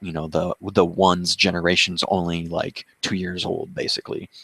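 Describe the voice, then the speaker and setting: Quiet and very deep in pitch, a man speaks at a moderate pace in a dry, close sound with no echo. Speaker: tech podcast co-host. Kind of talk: casual chat.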